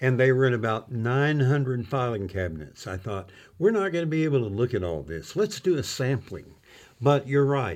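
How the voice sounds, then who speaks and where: With an American accent, a man at medium pitch talks at a moderate pace, his pitch swinging very widely. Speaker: historian and author. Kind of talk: casual chat.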